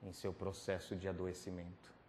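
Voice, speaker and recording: A male preacher telling a personal testimony at a youth camp, acting out scenes with sudden drops to whispers and loud pleading cries. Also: deep voice, monotone, normal speed. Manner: dramatic storytelling, swinging from whispers to loud pleading. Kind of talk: testimony sermon. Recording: roomy hall recording with faint noise.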